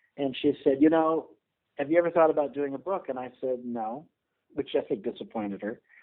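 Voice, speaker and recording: A man speaks in an ordinary speaking voice with an American accent. His pitch is fairly high with ordinary variation, and his pace is fairly quick. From US Midwest, Minnesota. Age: 60s. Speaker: actor and acting teacher. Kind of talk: interview.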